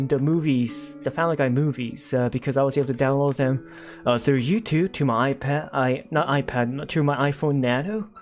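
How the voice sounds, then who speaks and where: A man's voice: medium pitch, darkish tone. A man in his twenties on a casual livestream, chatting with viewers and reading their comments. He rambles, with many fillers and self-corrections. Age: 20s. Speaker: streamer.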